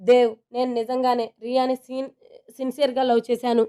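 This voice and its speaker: A man's voice: extremely high pitch, little pitch movement, moderate pace, mellow, clear, resonant tone. A woman voicing Adi, an anguished young man. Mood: heated. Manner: pleading and heated, confessional. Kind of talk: storybook reading.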